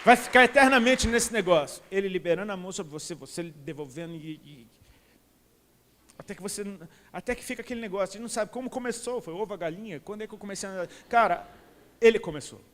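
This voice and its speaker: A man with a Brazilian Portuguese accent delivers a sermon in a high, bright register. He is impassioned and casual, talking to the congregation as if to friends. His voice rings out with the long reverb of a large church hall. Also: quick pace, some chatter behind, a little hiss or hum. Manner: impassioned, colloquial, calls listeners "cara". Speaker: preacher.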